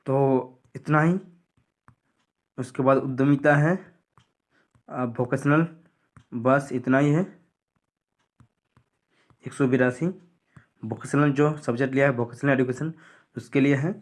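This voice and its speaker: A man's voice: mid-range voice, steady tone, slow, long pauses. A man going through a school syllabus on screen, repeating what to study and what to skip in a plain explanatory way. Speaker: teacher.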